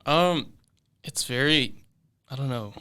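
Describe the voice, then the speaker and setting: Young man with a bright, clear voice. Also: medium pitch, slow pace. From London. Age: 20s. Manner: relaxed, hesitant, many fillers and restarts. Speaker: guest musician. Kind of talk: casual interview answers. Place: studio.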